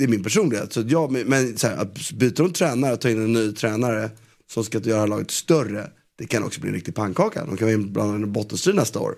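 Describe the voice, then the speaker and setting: Pitch varying in an ordinary way, a man rattles along at a very fast pace. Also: medium pitch for a man. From Sweden. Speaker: football pundit. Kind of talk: casual chat. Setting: studio.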